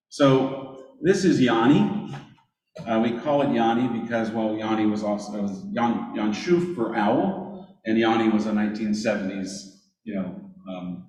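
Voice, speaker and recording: A man's voice: medium pitch, a little mellow. A man giving a casual live demonstration in a big echoing hall, picked up by a conference camera microphone. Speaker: guest presenter. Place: large indoor social hall. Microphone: conference camera microphone, away from the mouth. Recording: echoey hall from far off, noisy.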